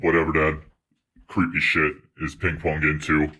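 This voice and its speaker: A man's voice: very deep voice, completely flat delivery, normal speed, bright, forceful tone, full character voice, rough recording. A man voicing a sarcastic, complaining, foul-mouthed dragon sidekick in a fan parody cartoon dub. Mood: grumbling.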